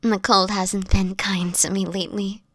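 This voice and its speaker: A woman playing a gentle, world-weary, sickly homeless vampire in an audio roleplay, speaking softly and breathily in slightly old-fashioned phrases, close to the listener. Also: mid-range voice, little pitch movement, normal speed, slight background noise, natural voice. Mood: weary, reassuring. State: sickly, frail, with coughs.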